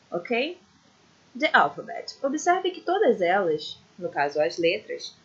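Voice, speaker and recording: The woman's voice is fairly high and fairly bright as she patiently teaches English letter sounds in her Brazilian Portuguese accent. She goes slowly over each letter and keeps checking with "ok?" The audio is dull and lo-fi.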